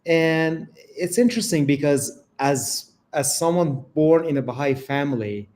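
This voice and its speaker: A man's voice: on the high side, lively intonation, a little slow, a little mellow. Earnest middle-aged man from Iran. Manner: earnest, grows emphatic on injustices. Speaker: guest author. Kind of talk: interview conversation.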